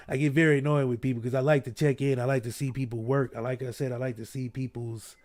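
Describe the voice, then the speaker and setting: A man's voice: medium pitch, little pitch movement, fast, darkish tone. Laid-back stuffy man hosting a podcast. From Ohio. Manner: laid-back, slangy, repeats "you know what I mean". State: a little stuffy. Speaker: podcast host. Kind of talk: casual podcast chat.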